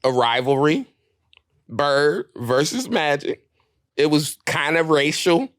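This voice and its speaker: A man co-hosting a podcast in casual chat, telling stories with profanity and quick voiced asides. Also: fairly high pitch, a bit bright, no echo, clean studio sound. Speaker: podcast co-host.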